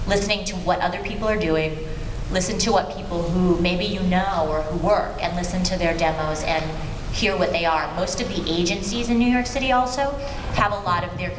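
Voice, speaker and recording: A woman speaking as a voice actor at an informal workshop, explaining things conversationally with rambling asides. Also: lowish voice. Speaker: voice actor giving a panel talk. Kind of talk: informal workshop talk to an audience. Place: convention panel room with audience. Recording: echoey hall, clear background noise.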